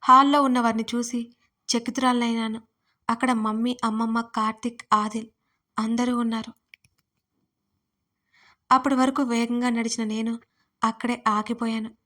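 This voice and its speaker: A woman's voice: on the high side, level tone, moderate pace, long pauses, pushed and bright. A woman narrating an emotional first-person audio story with a dramatic storytelling manner.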